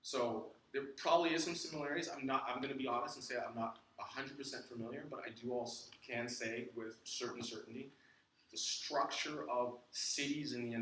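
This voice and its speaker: A man with a bright, forceful voice talks to a crowd, emphatic and direct. He sounds distant, in a very echoey room picked up from across the space, with a faint hum behind. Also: medium pitch. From Canada. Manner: emphatic, peppered with "okay?" and "I can tell you". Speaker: guest speaker. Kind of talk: talk with audience questions. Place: large echoey meeting room.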